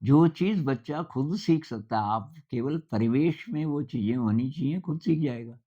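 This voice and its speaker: An older man talks informally at a middle pitch, in a conversational, storytelling manner with thoughtful pauses. The recording sounds somewhat dull and lo-fi. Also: mellow. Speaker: speaker giving a talk on simplicity. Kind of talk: informal spoken talk.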